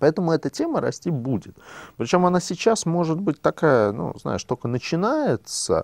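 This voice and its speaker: Over a quiet background, a man talks at a moderate pace, his sound dry and close with no echo. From Russia, Saint Petersburg. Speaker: entrepreneur. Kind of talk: interview. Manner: casual.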